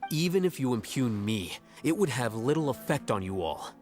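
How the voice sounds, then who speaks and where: A man's voice: medium pitch, big pitch swings, normal speed, a little mellow, close to an everyday voice. An actor playing a defiant young male scholar in a video game, speaking in a formal, dry, pointed manner. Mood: cool, defiant. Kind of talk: scripted video game voice acting. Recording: game dialogue over faint music.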